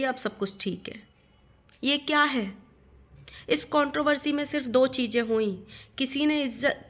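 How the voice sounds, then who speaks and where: A woman's voice: high-pitched, fairly bright tone. A middle-aged woman ranting in a vlog at another creator, indignant, firing rhetorical questions and repeating phrases for emphasis. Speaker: vlogger.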